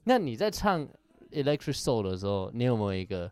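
A man interviewing a singer in a casual chat, animated and mixing English words into his speech. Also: mid-range voice, fairly quick, smooth, no room sound. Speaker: interviewer and musician. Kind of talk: casual conversation.

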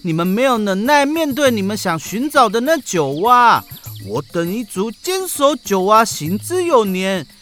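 A man's voice: high voice, very animated, a little slow, a bit bright, exaggerated voice. Tribal guardian, played by an actor: adult man, stern, grave, forbidding, children's audio drama over light music. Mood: stern warning.

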